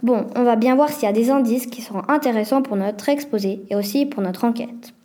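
Bold cheeky schoolgirl, excited and mocking, read by a woman; high, mellow tone. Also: brisk, close to an everyday voice. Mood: bossy. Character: bold adventurous schoolgirl, teasing and fearless.

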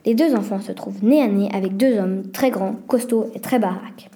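A woman's voice: mid-range voice, fairly quick, dark tone. A woman reading a children's adventure story aloud as narrator. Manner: plain storytelling.

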